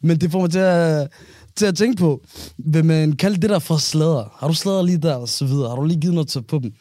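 Man, podcast co-host, relaxed and halting delivery, slightly high voice, dry recording. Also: dry recording. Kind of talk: casual chat.

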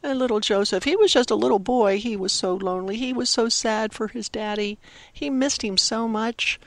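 A woman telling a dramatic Christmas story for children, with simple, expressive phrasing and emphatic pauses. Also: fairly high pitch, no echo. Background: music under the narration.

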